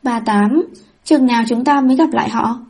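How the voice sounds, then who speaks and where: A woman's voice: fairly high pitch, normal speed, a little mellow, slightly rough. A woman voicing a flippant young heroine in an audiobook reading. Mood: breezy. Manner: offhand, teasing.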